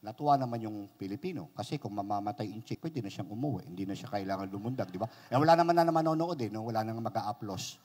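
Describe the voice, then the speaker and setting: A man who is a Catholic priest, giving a humorous sermon with animated, joking storytelling in a church. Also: fairly low pitch, fast talker, hardly any pauses.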